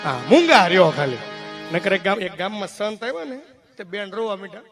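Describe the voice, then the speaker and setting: A man's voice: sits high, a little fast, music in the background. A young man telling folk comedy stories on stage, slipping into character voices. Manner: lively storytelling, jumping between character voices. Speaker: comedian and mimic.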